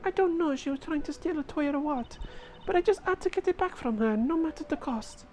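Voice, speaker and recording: High-pitched female jewel thief. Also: animated, brisk, darkish tone, slight background noise. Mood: anxious, confessing. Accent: put-on accent.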